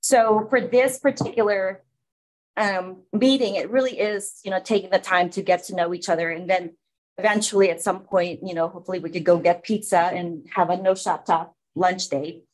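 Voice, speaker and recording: A woman's voice: lowish voice, fairly even intonation, moderate pace, darkish tone, low-quality recording. A woman from the Philippines facilitating a public city commission meeting, explaining informally with many fillers.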